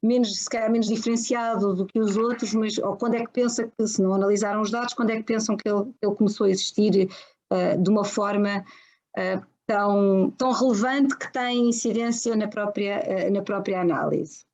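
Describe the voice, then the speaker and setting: A woman's voice: medium pitch, fairly even intonation, fairly quick, a little mellow. A woman asking questions at an academic seminar, polite and hesitant, with many fillers and restarts, on a dull, lo-fi recording. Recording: dull lo-fi sound.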